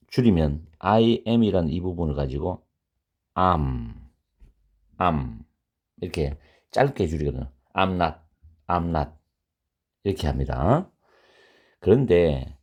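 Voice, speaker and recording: A man teaching beginner English grammar, explaining slowly and repeating example sentences in a lecture style. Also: sits low, warm tone, slightly rough.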